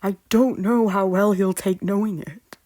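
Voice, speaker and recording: A woman playing an anxious, loyal young prince in an audio drama, earnest and breathy, moving between hushed and urgent. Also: mid-range voice, fairly even intonation, unhurried, lightly acted. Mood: worried. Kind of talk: intimate audio drama acting.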